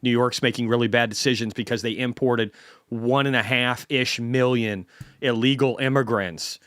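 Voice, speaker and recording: A man's voice: mid-range voice, steady tone, moderate pace, fairly bright tone, no room sound. Guy hosting a market stream, swears a lot, ranty and blunt, dead dry audio. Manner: blunt, heavily profane, ranting. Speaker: host of a market commentary stream. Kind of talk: unscripted ranting commentary.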